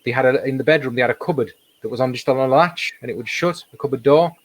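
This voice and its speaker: A man with a slightly hoarse voice, chatting casually as an interview guest and telling anecdotes with emphatic repetition. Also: medium pitch, fast talker. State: slightly hoarse, losing his voice. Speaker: paranormal investigator, interview guest.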